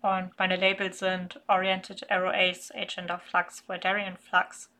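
A woman's voice: fairly low pitch, monotone, a little slow, pushed and bright. A woman in her twenties from North Rhine-Westphalia in Germany, co-hosting a podcast and introducing the guest. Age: 20s. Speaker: podcast co-host.

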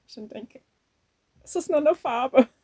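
A woman's voice: sits high, expressive, measured pace, warm tone, slightly rough. A woman co-hosting a casual podcast, telling an anecdote with hesitant fillers. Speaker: podcast co-host.

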